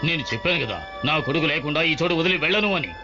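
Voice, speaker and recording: A man voicing a stubborn, imploring father in a cartoon dub, with a gravelly voice. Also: a little high, expressive, racing, lightly acted. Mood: determined. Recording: dull cartoon audio under loud music.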